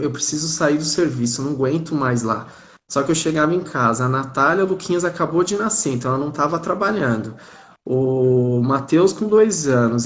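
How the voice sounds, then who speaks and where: A Brazilian man in his thirties, a live stream guest, telling a personal story in an animated, conversational way. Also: on the high side. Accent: Brazilian Portuguese. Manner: animated, conversational, frequent "né?" tags. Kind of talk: casual storytelling.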